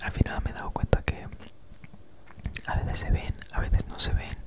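A woman in her thirties with an accent from Spain chats casually in breathy, unvoiced ASMR whispers, very close to the mic, right in your ear, with a noticeable S sound. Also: normal speed. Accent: Spanish from Spain. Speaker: ASMR creator. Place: small home room, indoors. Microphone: handheld recorder with foam windscreen, very close.

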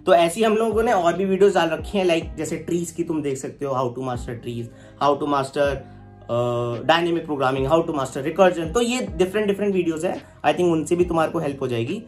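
A man's voice: a little high, normal speed, soft background music. A young man with an Indian accent teaching coding in a casual, explanatory way, often checking in with the viewer. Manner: explanatory, keeps adding "है ना" checks to the listener; addresses the viewer informally as "तुम". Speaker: coding instructor. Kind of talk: casual tutorial talk, switching between Hindi and English.

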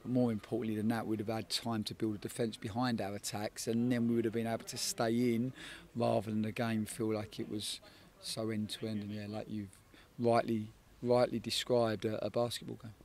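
A man in his forties, a football head coach, giving a measured post-match interview outdoors at a night stadium, often repeating words as he thinks. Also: on the low side, flat delivery, gravelly, darkish tone. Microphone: handheld interviewer microphone.

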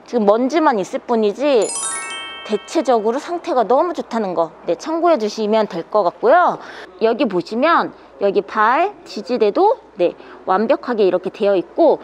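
A young woman gives a used-car sales walkaround in a high, very animated voice. Her patter is upbeat and polished, like a practised seller. She is recorded with some background noise in an indoor parking garage. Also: normal speed. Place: indoor parking garage, later inside truck cab.

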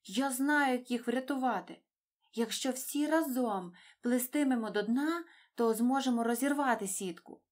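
A small boy clownfish from a storybook, piping high above a grown woman's voice, polite and eager, as a woman reads him out. He speaks brightly and plainly, like a brave little child. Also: moderate pace, close to an everyday voice. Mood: urgent.

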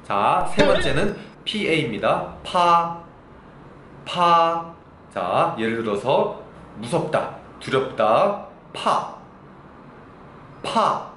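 A male Chinese teacher whose first language is Korean, giving a slow pronunciation lesson and repeating sample syllables several times each. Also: medium pitch, sing-song, a bit bright. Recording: echoey room with faint background noise.

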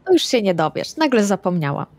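Female RPG player, mid-pitched, matter-of-fact casual table chat, very dry recording. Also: big pitch swings, a little fast, darkish tone, no echo. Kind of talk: casual in-character game chat.

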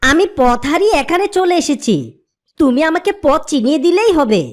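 A woman's voice: high voice, lively intonation, moderate pace. A woman voicing a clever, confident goat in a children's cartoon, with an emphatic, theatrical delivery. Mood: reassuring, confident. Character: clever, helpful goat who bluffs as jungle king.

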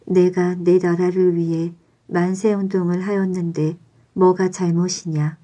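A woman reading the lines of a determined teenage girl patriot in a bedtime storybook, earnest and resolute, slow and mellow. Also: lowish voice, little pitch movement. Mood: defiant.

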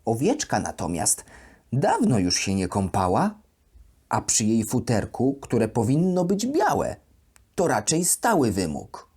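A woman voicing a sweet, naive plush duck who tells her diary as a children's bedtime audio story, in an expressive, deliberate way. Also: extremely low pitch, slightly rough, full character voice.

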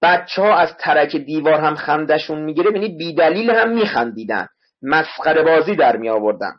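A man's voice: fairly high pitch, lively intonation. A male literature teacher giving an online class lecture, explaining words one at a time and repeating spellings for his students. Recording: dull lo-fi online class audio.

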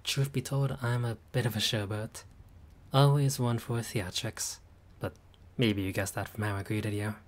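A friendly young vampire, performed by a man, chats with his guest in a playful, showy way. His voice sits slightly low and relaxed. It is a scripted audio roleplay. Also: normal speed. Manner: warm, chatty, playful.

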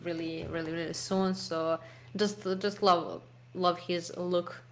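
A young poker pro with a Serbian accent answers interview questions slowly, her lowish voice steady, with frequent fillers and restarts. She's in a home room on a video call, using a desk mic and webcam framing. There's a little hiss or hum.

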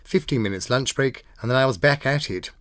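A British man reads diary entries aloud in a scripted, dramatic style. His voice sits at a medium pitch, recorded close and dry in a studio. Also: brisk, fairly bright tone, no room sound. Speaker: diary reader.

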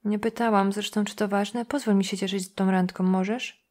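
A woman reading an audiobook voices a hot-headed young policewoman who talks in a sharp, indignant tone, pitched higher. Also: steady tone, normal speed, lightly acted. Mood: defensive. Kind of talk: audiobook dialogue.

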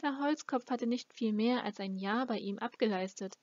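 A woman's voice: fairly high pitch, moderate pace, darkish tone, no room sound. A woman reading a fantasy novel aloud as an amateur audiobook narrator. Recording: dull, lo-fi close recording.

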